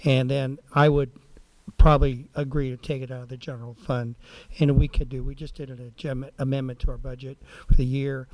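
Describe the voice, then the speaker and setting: A man's voice: mid-range voice, flat delivery, a little fast, a little mellow, low-quality recording. A man giving informal, colloquial remarks as a council member in a public meeting.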